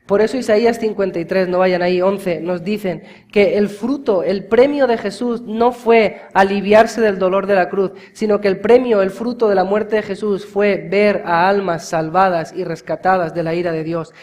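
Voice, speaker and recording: A man preaching a sermon as pastor, talking straight to his congregation and swinging from hushed, slow words to loud, urgent emphasis. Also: high voice, steady tone. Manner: addresses the congregation directly as brothers.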